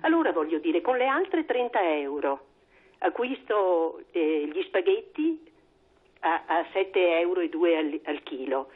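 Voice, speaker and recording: Give me an indignant woman in her sixties from Veneto, heard over the phone, husky and halting. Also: on the low side, expressive. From Veneto, Italy. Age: 60s. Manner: indignant, halting, many fillers. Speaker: caller. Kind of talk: phone-in call to a talk show. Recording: tinny phone line.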